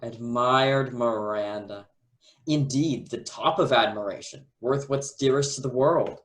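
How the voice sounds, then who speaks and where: A man's voice: medium pitch, measured pace, natural voice. A man playing a humble, devoted young prince in love, declaiming courtly verse in a Shakespearean radio play. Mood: adoring, earnest.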